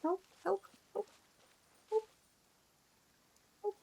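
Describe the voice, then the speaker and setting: A woman livestreamer giving casual game commentary and chatting to viewers in a soft, hesitant, musing manner. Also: extremely high pitch, fairly even intonation, very slow, vocal fry.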